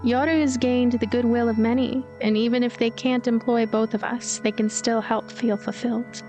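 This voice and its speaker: A woman's voice: on the high side, steady tone, moderate pace, mellow. A woman hosting a let's play, reading a visual novel aloud with casual commentary. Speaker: let's play host and narrator. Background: game music.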